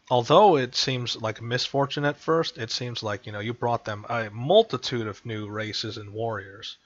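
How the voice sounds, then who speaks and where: Over headset voice chat, a man acts as game master, narrating, laughing often and dropping into character lines. His mid-range voice is a bit bright with no echo, though the voice-chat audio is dull and lo-fi.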